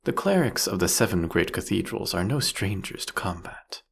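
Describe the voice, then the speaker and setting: Man voicing a deep, gravelly, mocking vampire king. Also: lively intonation, fairly bright tone, heavily acted. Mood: grudging admiration. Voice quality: husky, gravelly. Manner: theatrical, mocking, drawn-out, teasing phrasing. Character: captured vampire king, male, sardonic, taunting, silkily menacing. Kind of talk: scripted audio roleplay monologue addressed to the listener.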